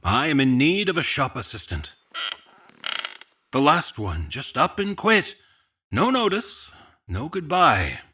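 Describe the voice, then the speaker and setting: Menacing fancy shopkeeper, husky, formal, swooping intonation, bright forceful edge, audio drama villain. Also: male voice, a little high, very animated, exaggerated voice. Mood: bargaining, veiled threat. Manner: formal, smooth-talking, deliberate wording. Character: sly, controlling, menacing fancy gentleman puppet-shop owner. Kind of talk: scripted audio drama dialogue.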